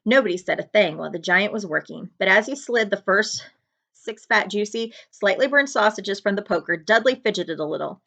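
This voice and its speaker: A woman reading a children's book aloud as a librarian would, in an expressive narrating style. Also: mid-range voice, brisk, creaky.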